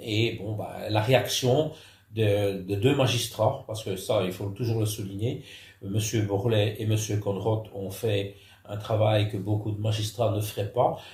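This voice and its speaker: A man speaks at a fairly slow pace in a fairly low, somewhat breathy voice with fairly even intonation, and audible room echo surrounds him. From Belgium. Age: 70s. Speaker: retired gendarme and author. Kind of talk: interview. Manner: halting, many fillers.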